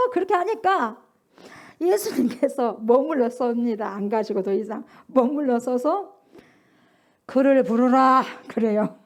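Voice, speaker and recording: A woman pastor preaching a sermon at a prayer meeting, emphatic, swinging from loud calls to hushed whispers. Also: sits high, expressive, unhurried. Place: church sanctuary.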